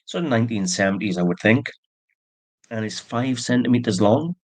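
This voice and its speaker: This man's voice sits on the low side, with lively intonation at normal speed, as he casually presents his antique silver jewelry for sale. He's stuffy from allergies and yawns, keeping up a chatty narration with plain asides.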